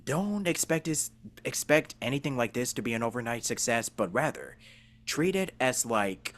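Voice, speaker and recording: A man's voice: mid-range voice, sing-song, normal speed, a bit bright. A man hosting a casual podcast interview, earnest and rambling in the way he makes his points. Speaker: podcast host, voice actor.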